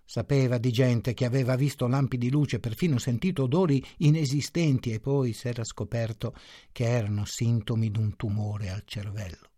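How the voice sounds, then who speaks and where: A man narrating a short story in a measured, ironic storytelling manner. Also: mid-range voice, steady tone, warm tone, no room sound. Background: faint music.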